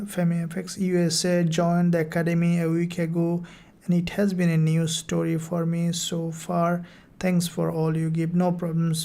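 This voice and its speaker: A woman hosting a casual live stream as a mentor, answering viewer questions in halting, repetitive phrasing. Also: lowish voice, warm tone.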